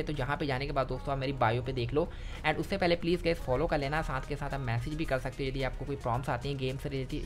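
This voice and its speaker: Fast-talking young man over music. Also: a little high. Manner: repetitive, frequently addresses viewers informally. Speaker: tech tutorial YouTuber. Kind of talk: step-by-step phone tutorial narration. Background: background music.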